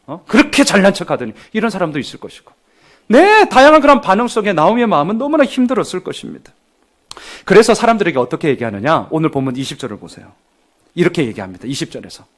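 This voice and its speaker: A man preaching a sermon as pastor to his congregation, animated and acting out the voices of townspeople as he goes. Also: high voice, quick pace. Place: church sanctuary with congregation.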